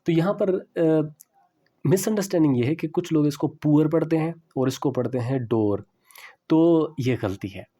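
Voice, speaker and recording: A man giving a classroom lecture on English pronunciation, explaining slowly and repeating the example words. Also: fairly high pitch, mellow.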